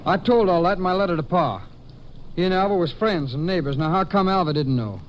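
An actor playing a young prodigal brother in a 1950s radio western, earnest and insistent, with an American Western accent. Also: male voice, high-pitched, a little fast, close to an everyday voice. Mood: earnest questioning. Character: young prodigal cowboy brother, pleading, aggrieved. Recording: muffled, noisy old radio recording.

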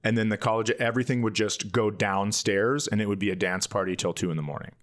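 A man's voice: lowish voice, fairly even intonation, fast talker. A middle-aged man, a comedian and podcast co-host, telling casual comic stories in a candid, self-deprecating way.

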